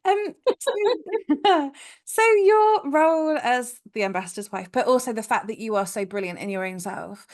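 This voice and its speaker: A woman's voice: a little high, animated, measured pace, a little mellow. A woman hosting a podcast interview, enthusiastic and chatty, correcting herself as she goes. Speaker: podcast host.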